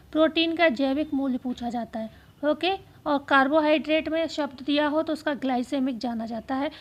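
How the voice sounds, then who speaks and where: A woman teacher going through exam questions, speaking slowly and repeating key phrases so students can write them down. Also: high voice. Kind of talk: exam-prep lesson.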